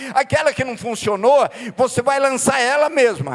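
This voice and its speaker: At a fairly slow pace, a man speaks at an extremely high pitch. Noticeable background noise is present. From interior of São Paulo state, Brazil. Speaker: visiting preacher. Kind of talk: sermon. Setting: church. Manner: animated.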